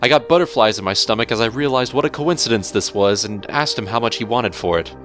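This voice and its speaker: A man narrating a horror story in a measured, theatrical storytelling manner over music. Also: medium pitch, expressive, fairly bright tone. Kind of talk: dramatic horror story reading. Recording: music bed under the voice.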